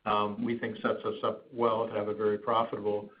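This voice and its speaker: A male finance executive talks through a business outlook in a flat, fairly low voice. His phrasing is careful and halting. The conference line is dull, with faint background noise. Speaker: company finance executive on an earnings call. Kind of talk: business outlook commentary, partly prepared. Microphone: conference call line. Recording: noisy, muffled conference call.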